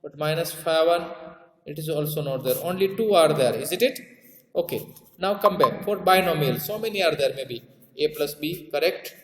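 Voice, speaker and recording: Male maths teacher, South Asian accent, slightly high voice, explains and repeats with tag questions, in a very reverberant room. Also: normal speed. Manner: repeats key terms and adds tag questions to check understanding. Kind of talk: classroom lesson explanation. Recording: echoey room with long reverb.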